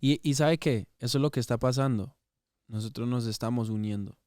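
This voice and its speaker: Smooth-voiced man, casual bilingual chat. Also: mid-range voice, brisk, darkish tone, dry recording, clean studio sound. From Toronto, Canada. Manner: switches between Spanish and English. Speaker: guest music artist.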